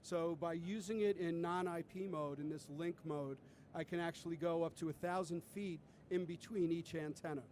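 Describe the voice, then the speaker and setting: A man's voice: steady tone, moderate pace, darkish tone. A man giving a live product demonstration, explaining things step by step as a presenter. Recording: clear background noise with low rumble.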